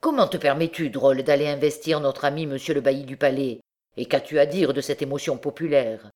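A woman's voice: rumbling low, fairly even intonation, brisk, a little mellow. A woman reading the part of a scheming, suspicious old king who muses darkly and barks orders, in an audiobook. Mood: commanding. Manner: musing, then barking orders.

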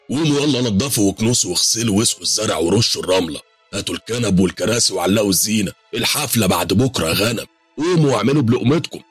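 A man's voice: low-pitched, close to an everyday voice. A man with an Egyptian Arabic accent voicing a cowardly male overseer who stammers before his master and bullies the servants. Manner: stammering, pleading, then barking orders.

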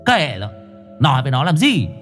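A man's voice: medium pitch, wildly swooping pitch, fairly quick, a bit bright. A man voicing a mournful, coarse male dog complaining from a cage. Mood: lamenting. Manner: whiny, lamenting, coarse. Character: mournful, foul-mouthed caged male dog. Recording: faint music behind.

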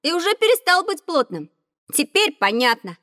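A woman voicing a lively, curious schoolboy who asks eager questions in a children's audio drama. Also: very high-pitched, normal speed, no room sound, heavily acted. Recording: dry studio recording.

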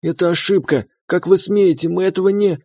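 A man's voice: high voice, a little fast, mellow, no room sound, studio quality, pitched above the performer's own voice. A man doing an indignant young princess. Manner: indignant, protesting.

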